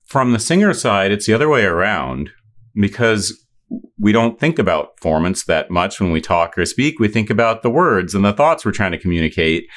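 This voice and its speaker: A man's voice: on the low side, big pitch swings, normal speed, a bit bright. A middle-aged man explaining voice science in an interview, thoughtful, with many fillers and restarts. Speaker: voice science expert.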